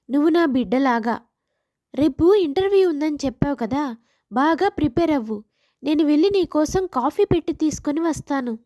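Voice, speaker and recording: A woman's voice: high-pitched, dark tone, dry recording. A woman voicing a kind, motherly village sister-in-law in a moral story, affectionate and encouraging. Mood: caring, encouraging.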